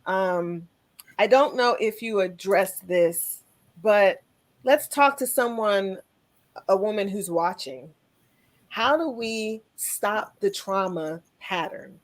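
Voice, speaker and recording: A woman hosts a conversational interview in a mid-range voice. Her pace is very slow and measured, and she lays out her questions in short rhetorical phrases. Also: mid-range voice. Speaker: talk show host.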